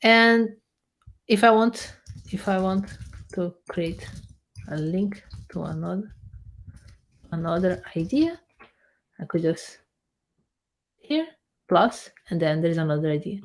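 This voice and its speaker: A woman researcher and software developer, a guest in a casual interview, talking animatedly as she walks through a software demo on screen. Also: lowish voice, slow pace, long pauses, rough recording. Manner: animated, explains while clicking through a screen demo, many restarts.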